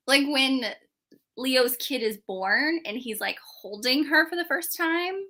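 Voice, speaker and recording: A woman's voice: high voice, slow, bright, forceful tone. A woman talking informally about books as a live show co-host, using "like" often as she gives opinions. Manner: informal, heavy use of "like". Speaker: co-host of a book club readalong. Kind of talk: casual book chat, live show.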